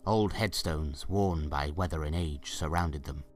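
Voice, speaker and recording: A man's voice: extremely low pitch, unhurried, faint music behind. A man narrating a scripted audio drama as a storyteller, with dramatic delivery.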